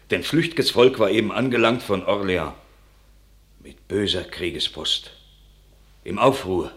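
A man's voice: sits low, a bit bright. An actor playing an earnest countryman who bears grave tidings, declaiming in a classical radio play. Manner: grave, declamatory, measured storytelling. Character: earnest countryman bringing grave news of war.

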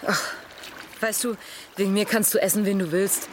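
Radio drama: actress as frank, dry woman in her thirties, offhand and slangy, over clearly audible splashing water. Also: mid-range voice, fairly even intonation, moderate pace, a little hiss or hum, natural voice. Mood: casual, frank. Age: 30s. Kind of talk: naturalistic conversational radio drama. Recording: loud splashing water behind the voice. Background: sea water splashing and trickling.

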